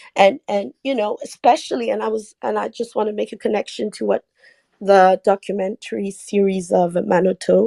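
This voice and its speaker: Woman with a French accent, vocal fry and a dark, mellow tone at a moderate pace, dry and close with no echo. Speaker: audience speaker in online debate. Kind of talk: online debate contribution. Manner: halting with frequent repetitions.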